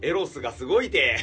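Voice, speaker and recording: A man co-hosting a podcast, chatting casually and telling stories with plenty of laughter. His voice is bright and forward, and his pitch rises and falls in wide, lively swings. Soft music plays faintly underneath. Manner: animated storyteller, laughs often. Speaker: podcast co-host. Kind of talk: casual chat.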